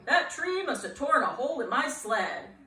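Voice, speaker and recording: A woman's voice: high voice, very animated, normal speed, bright, forceful tone, echoey room, far from the mic, full character voice. A woman voicing a kindly, jolly old Santa Claus during a storybook reading. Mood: worried.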